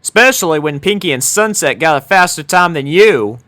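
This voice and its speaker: An easygoing teenage girl performed by a man speaks frankly in a lifted, bright voice. She is plain-spoken and down-to-earth, a character from a cartoon story. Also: a little high, expressive, normal speed, pitched above the performer's own voice. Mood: challenging.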